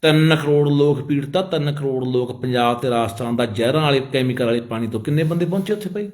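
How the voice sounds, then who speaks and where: A man's voice: mid-range voice, fast. A man with a Punjabi accent making an impassioned, pleading public appeal as an activist, calling his listeners brothers.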